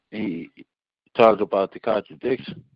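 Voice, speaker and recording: At a moderate pace, a man with a fairly low pitch talks with lively intonation. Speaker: poet. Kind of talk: casual discussion. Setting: phone call.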